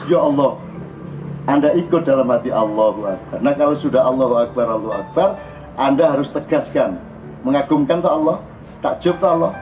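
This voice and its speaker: An older man with a Javanese accent giving an informal religious talk, jokey and animated. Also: a little high. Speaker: religious speaker. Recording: dull lo-fi recording with faint music.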